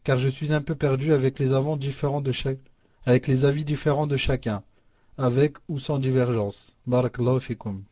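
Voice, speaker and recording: A man moderating a call reads listener questions aloud hesitantly, often restarting and using Arabic religious phrases. His mid-range voice is dark, mellow and steady, and the dry, muffled lo-fi audio has no room sound, like it's over a phone line.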